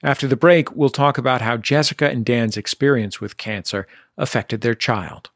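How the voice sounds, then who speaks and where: A man hosting a radio interview show, asking questions in a measured, dry way and reading announcements. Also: mid-range voice. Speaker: radio host.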